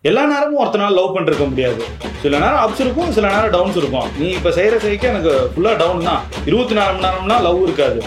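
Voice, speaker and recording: Young man acting, exasperated blunt boyfriend in a comedy short, rapid delivery, roomy sound with loud music. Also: high voice, very animated. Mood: blunt, candid. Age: young adult. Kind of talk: naturalistic colloquial phone dialogue.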